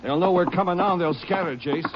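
A man's voice: sits high, quick pace, natural voice. An actor playing a plain-spoken, alert lawman's sidekick in a 1950s radio western, terse and matter-of-fact, on a muffled, noisy broadcast. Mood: urgent.

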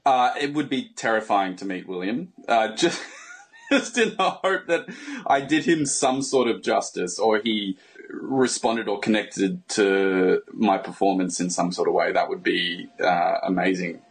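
A man, an actor, answering an interview question hesitantly, with halting fillers. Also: fairly low pitch, a little hiss or hum.

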